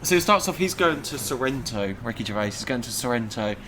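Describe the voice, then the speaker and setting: A man's voice: mid-range voice, animated, brisk, noisy background. A man co-hosting a podcast in casual chat, chatty and giggly, rambling as he goes. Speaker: podcast co-host.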